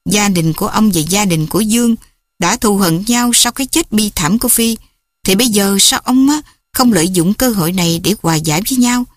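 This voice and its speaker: A woman's voice: medium pitch, brisk, no room sound, clean studio sound, lightly acted. A woman voicing an earnest young man pleading with his love's father.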